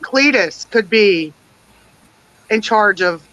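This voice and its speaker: A woman with a bright, forceful voice comes through slightly dull, lo-fi audio. She co-hosts a casual political chat, speaking in a dry, halting way at a medium pitch. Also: lively intonation, no room sound. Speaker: livestream co-host.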